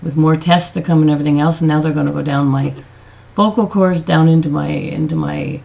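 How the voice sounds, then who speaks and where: A woman with a deep, throaty voice chatting in a rambling, self-deprecating way on a casual beauty vlog; her voice has changed and she can't hit high notes. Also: fairly even intonation, fairly quick, vocal fry, a little mellow. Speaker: beauty vlogger.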